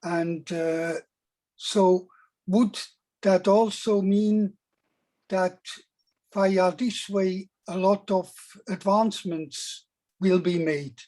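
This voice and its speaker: A woman's voice: mid-range voice, fairly even intonation, extremely slow, dark tone. A woman with a Dutch accent carefully putting a question in a meeting, hesitant and building it phrase by phrase. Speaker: meeting participant asking a question.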